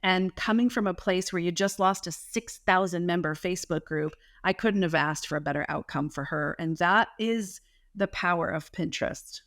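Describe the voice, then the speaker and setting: Lowish-voiced woman coach, animated storyteller, dry close sound. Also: moderate pace, no echo. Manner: animated, emphatic, casual with slang. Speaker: guest business coach. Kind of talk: storytelling in an interview.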